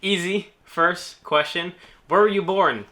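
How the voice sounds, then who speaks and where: Bright-voiced young man, joking vlogger. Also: high voice, unhurried. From New Orleans, United States. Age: young adult. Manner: laid-back, joking, self-teasing. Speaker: YouTuber answering viewer questions. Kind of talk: casual Q&A vlog.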